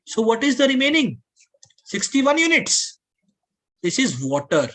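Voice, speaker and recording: A man's voice: very high voice, wildly swooping pitch, a little slow, fairly bright tone. A man with a South Asian accent teaching a class step by step, repeating points, mixing English with Hindi and often checking understanding with questions. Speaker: aptitude teacher. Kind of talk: classroom lesson, explaining step by step.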